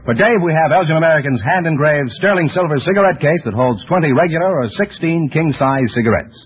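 Showy old-time radio announcer, lively man. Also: on the high side, quick pace, husky. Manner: formal, showy delivery. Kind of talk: 1940s radio announcing and sponsor reading. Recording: old radio broadcast, narrow band.

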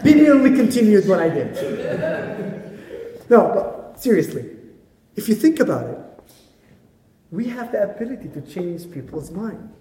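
Brief: young Israeli Arab man, fairly high but mellow voice, lively storytelling speech, reverberant hall. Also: moderate pace, long pauses, slight background noise. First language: Arabic. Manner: animated storyteller, acts out quoted voices. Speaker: speaker at a community event. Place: large synagogue hall. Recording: echoey hall with long reverb.

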